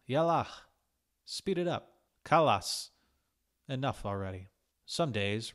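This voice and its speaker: A man reads fiction aloud as an audiobook narrator. His voice sits fairly low, and he delivers scripted narration. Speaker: audiobook reader. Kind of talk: scripted short story narration.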